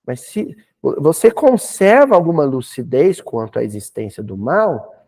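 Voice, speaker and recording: A man with a Brazilian Portuguese accent giving a spiritist talk in a folksy, animated way, with humorous asides. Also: a little high, measured pace. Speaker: spiritist lecturer.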